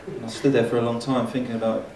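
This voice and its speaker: Deadpan Essex comedian in a roomy hall. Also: male voice, medium pitch, quick pace. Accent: Essex English. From Essex, England. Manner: deadpan, wry storytelling with hesitant fillers. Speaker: stand-up comedian. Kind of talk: stand-up comedy routine. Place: student comedy event hall with audience. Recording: roomy, distant amateur recording with noise.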